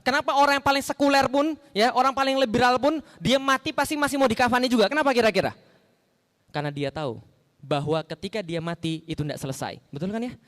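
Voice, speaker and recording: A man's voice: lively intonation, fast. A man preaching an Islamic sermon in a conversational way, asking the audience rhetorical questions and acting out the lines he quotes. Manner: acts out quoted lines with sharp rises in pitch and volume. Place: large hall. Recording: long hall reverb.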